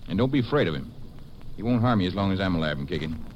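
Deep-voiced folksy western rancher. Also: male voice, lively intonation, very fast, dull audio. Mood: reassuring. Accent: American Western. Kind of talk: 1950s radio western acting. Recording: noisy old 1950s radio recording.

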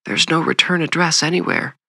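A man voicing a frightened older mother in an audiobook, tearful and pleading, with a trembling, halting, often whispering voice. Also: on the high side, animated, pushed and bright, dry recording, studio quality, pitched above the performer's own voice, full character voice. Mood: anxious. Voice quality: trembling, breathy voice. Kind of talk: audiobook character voice.

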